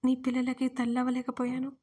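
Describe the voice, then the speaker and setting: A fading young wife speaks in a soft, faltering hush, as a woman narrator gives her voice. Her voice sits high and stays level, with little rise or fall. It is a tender storybook role in an audio drama. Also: completely flat delivery, a little fast, husky. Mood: faint, tender.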